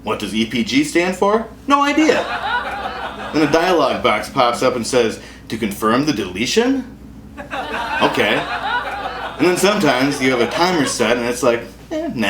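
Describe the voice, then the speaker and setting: An American man hosting a comedy show with a casual, wry, self-deprecating and sarcastic monologue. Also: medium pitch. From Wisconsin, United States. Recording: echoey room with clear background noise.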